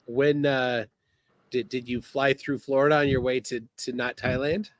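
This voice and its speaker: A man hosting a casual livestream, reading chat aloud in a halting, laid-back way, speaking outdoors by the water. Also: medium pitch, little pitch movement, no echo. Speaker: livestream host.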